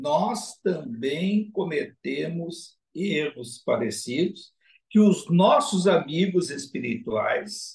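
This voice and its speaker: Speaking very slowly, a man uses a high pitch with very wide pitch swings. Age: 60s. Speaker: spiritist study group leader. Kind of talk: group study discussion.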